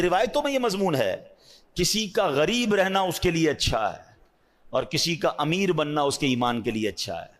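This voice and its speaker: Male Pakistani preacher, high voice, sermon with rhetorical questions and rising fervor. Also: a bit bright. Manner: rhetorical questions to the audience, rising to emotional peaks.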